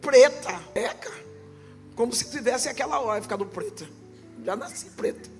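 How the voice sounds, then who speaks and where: A woman pastor preaching a sermon with passion, often swelling into shouts. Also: a little high, normal speed, faint music behind.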